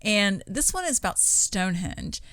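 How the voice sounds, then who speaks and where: A woman co-hosting a podcast, talking casually and informally in an agreeable, measured way. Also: mid-range voice, big pitch swings, fairly bright tone, dry recording, clean studio sound. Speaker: podcast co-host. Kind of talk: casual conversational storytelling.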